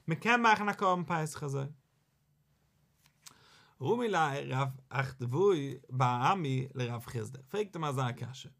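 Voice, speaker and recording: A man, a rabbi, teaching a Talmud lesson in an animated, questioning sing-song that rises and falls. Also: medium pitch, measured pace, gravelly.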